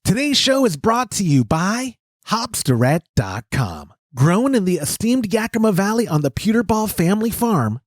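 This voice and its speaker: A man co-hosting a chatty podcast, playful and self-mocking, with a lively voice that swings up and down as he jokes. He is close on a dry mic with no room sound. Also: high voice, dry recording. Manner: jokey, self-mocking, breaks into silly sung bits. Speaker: podcast co-host. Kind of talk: casual banter and ad reads.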